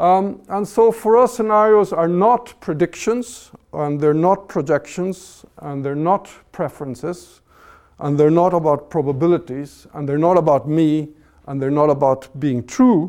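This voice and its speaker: Here a man talks at a fairly slow pace. His pitch is fairly high, and his intonation is lively. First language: Spanish. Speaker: academic researcher. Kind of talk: lecture. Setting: stage with audience.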